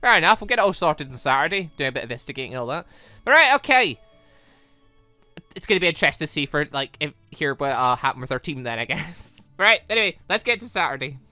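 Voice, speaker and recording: A woman's voice: deep voice, sing-song, fast, bright, forceful tone, no echo. A woman giving casual, rambling let's play commentary on a visual novel, reacting aloud and often giggly. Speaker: gaming channel host playing a visual novel. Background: game music.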